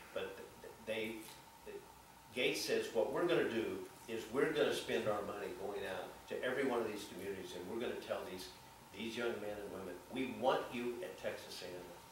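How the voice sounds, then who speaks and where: Delivered at a moderate pace, the speech carries audible room echo and noticeable background noise. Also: man. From Oklahoma. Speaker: lawyer. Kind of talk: lecture. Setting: stage with audience. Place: hall.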